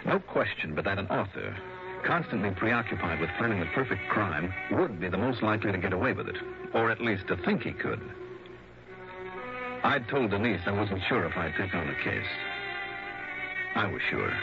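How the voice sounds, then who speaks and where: A man's voice: low-pitched, animated, normal speed, gravelly, long pauses. An actor playing a laconic male insurance investigator who narrates his own case in a 1960s radio drama. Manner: dry, laconic first-person narration. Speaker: narrator and lead. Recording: dull lo-fi old radio broadcast with music.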